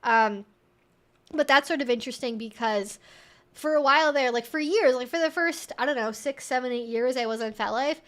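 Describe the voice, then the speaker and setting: With a high, fairly bright voice at a moderate pace, a woman livestream host runs a casual Q&A. She reads viewer comments and responds conversationally and emphatically, thinking out loud.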